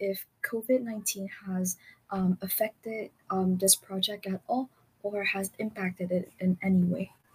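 A somewhat breathy woman's voice at medium pitch, with ordinary pitch variation and a dry, close sound with no echo. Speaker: student podcast co-host. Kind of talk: interview.

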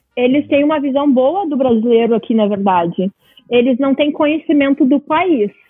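Lively intonation marks a woman's high-pitched voice. She keeps a moderate pace and very even loudness. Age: 30s. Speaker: Brazilian immigrant in Canada. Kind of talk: casual chat.

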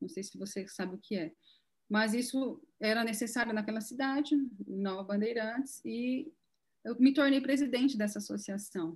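A woman with a fairly high pitch and a somewhat breathy voice speaks at a moderate pace with ordinary pitch variation. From São Paulo state, Brazil. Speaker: former mayor and entrepreneur. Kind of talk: interview.

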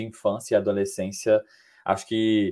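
The man's voice is at medium pitch with fairly even intonation. The recording is very clean, with a silent background. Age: 20s. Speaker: journalist and pop culture commentator. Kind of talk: casual chat.

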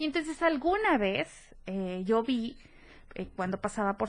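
A woman talks in a normal speaking voice, pitched fairly high. Her intonation is lively. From Tuxtla Gutiérrez, Chiapas, Mexico. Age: 30s. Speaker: visual artist and cultural promoter. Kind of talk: radio interview.

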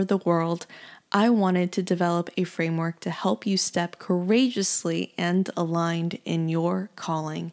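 A woman with an ordinary speaking voice talks at a fairly slow pace and a medium pitch. The recording is very clean, with a silent background. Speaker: podcast host. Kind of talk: scripted narration.

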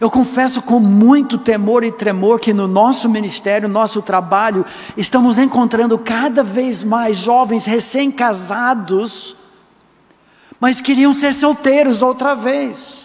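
Against noticeable background noise, a man with an English accent speaks at a very slow pace in an extremely high pitch. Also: fairly even intonation. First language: English (speaking Portuguese). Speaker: pastor. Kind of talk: sermon. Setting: church.

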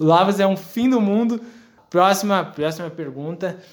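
Speaking at a fairly slow pace, a man has a high pitch and an animated tone. His pitch variation is ordinary. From southern Brazil, interior of Rio Grande do Sul. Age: 20s. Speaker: podcaster. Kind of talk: casual monologue.

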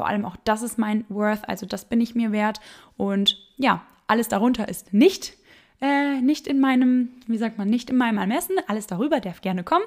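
Pitched fairly high, a woman speaks in an unremarkable speaking voice with ordinary pitch variation. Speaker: podcast host and meditation guide. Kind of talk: guided meditation. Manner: slow, soothing, calm, gentle pacing; soft-spoken, dreamy.

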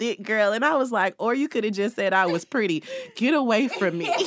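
Woman at a fairly high pitch and fairly quick pace, very wide pitch swings, dry, close sound with no echo, noticeable background noise. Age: 30s. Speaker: podcast host. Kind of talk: casual chat.

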